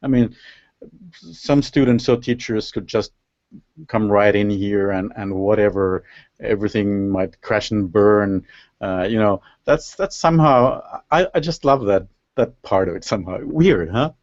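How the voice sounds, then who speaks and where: A man's voice: lowish voice, a little slow, a little mellow, no echo. A man from Finland, a native Finnish speaker with a Finnish accent, hosting a casual interview and often searching for words. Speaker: interview host. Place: live video call. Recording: dull lo-fi online call audio.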